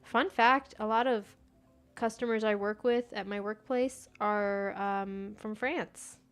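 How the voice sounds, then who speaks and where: A woman's voice: medium pitch, steady tone, slow, a bit bright, clear, resonant tone, soft background music. Chatty young woman streaming a game. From United States. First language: Persian. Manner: chatty, talks to herself while playing. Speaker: gaming streamer. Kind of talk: casual gameplay chat, answering viewer chat.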